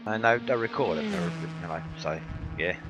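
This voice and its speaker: A man's voice: deep voice, normal speed, heavy background noise. A man chatting casually and matily over online voice chat. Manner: blokey, matey, slangy.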